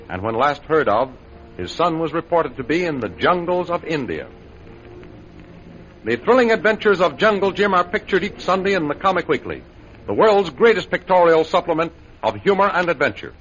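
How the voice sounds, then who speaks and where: A man's voice: on the high side, fairly bright tone. A man announcing and recapping an old radio adventure serial in a formal, declamatory way. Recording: dull old radio recording with music behind.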